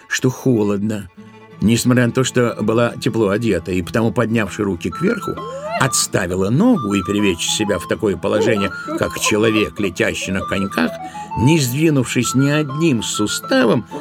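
A man narrating a literary tale as an audiobook storyteller, expressively and with playful, wry intonation. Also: mid-range voice. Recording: studio audio drama with music behind. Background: music.

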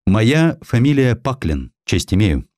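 A brash, falsely jovial gentleman, acted out by a male audiobook reader. He talks with breezy overfamiliarity and theatrical, swooping intonation. The recording is close and dry. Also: fairly low pitch, very animated, measured pace, dry recording.

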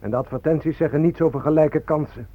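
A man's voice: on the high side, quick pace, dry recording, natural voice. An actor playing a resigned, homesick Native American man in a radio play. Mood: weary, frustrated. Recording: dull radio play recording.

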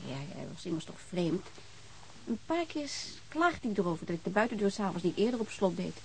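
An actress playing a forthright, hospitable young student in a radio drama, informal, brisk and inquisitive. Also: female voice, mid-range voice, big pitch swings, a little hiss or hum, poor audio. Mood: curious, chatty. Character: forthright, hospitable female student living alone. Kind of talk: naturalistic radio drama acting.

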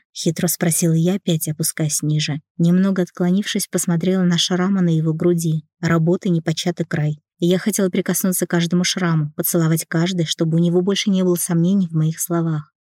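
A man narrates a first-person romance audiobook with a measured, intimate reading. His voice is dark and mellow, recorded dry and close. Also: fairly high pitch, no room sound.

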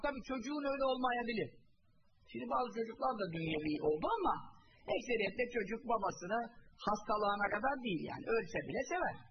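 Male preacher with a high voice, quotes and translates Arabic, muffled hissy archive tape. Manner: asks rhetorical questions and answers them himself; quotes Arabic phrases and translates each one. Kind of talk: religious talk to a congregation.

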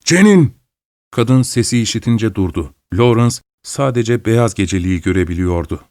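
A man narrating a suspenseful story aloud at a measured, steady storytelling pace. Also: on the low side, no echo, clean studio sound.

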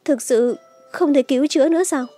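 A woman's voice: a little high, moderate pace, warm tone, natural voice. A woman voicing a fierce, devoted young swordswoman with anguished feeling in a martial-arts audiobook. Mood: tearful, desperate.

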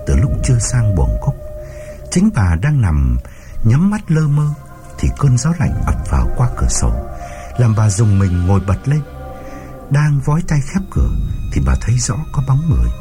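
A man narrating a ghost story in a suspenseful, dramatic audiobook style, over background music. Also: mid-range voice.

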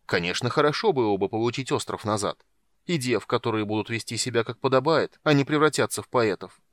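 A man's voice: mid-range voice, fairly quick, no room sound, close to an everyday voice. A man voicing a petulant, whining huge black male dragon in an audiobook. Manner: whiny, pleading.

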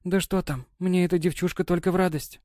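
A man voicing a gentle, loving wife of a sea captain in an audiobook, speaking softly and coaxingly. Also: fairly high pitch, steady tone, a little fast, no room sound, clean studio sound, pitched above the performer's own voice, close to an everyday voice. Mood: tender. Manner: soft, tender and coaxing. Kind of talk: audiobook character voice.

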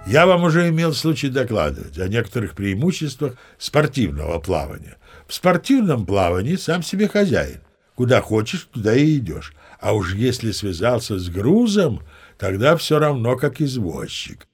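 A man's voice: medium pitch, big pitch swings, moderate pace, slightly rough. An actor playing a boastful old sea captain who narrates his tall tales with chatty, old-fashioned courtesy. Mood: storytelling. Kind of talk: audio play narration.

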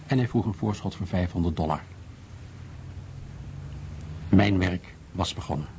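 A man playing a blunt, measured writer in a scripted first-person account. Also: deep voice, darkish tone. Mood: firm. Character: blunt male American writer recounting his search for truth. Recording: dull lo-fi sound, faint noise.

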